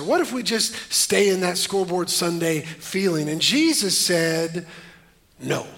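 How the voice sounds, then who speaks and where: A man's high-pitched voice with lively intonation, plus audible room echo and noticeable background noise. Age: 40s. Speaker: pastor. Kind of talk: sermon. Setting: church service with congregation.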